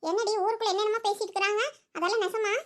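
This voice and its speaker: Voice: very high-pitched, little pitch movement, very fast. A performer voicing a nosy, lecturing village woman friend in a cartoon. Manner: prying, lecturing. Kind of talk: cartoon voice acting.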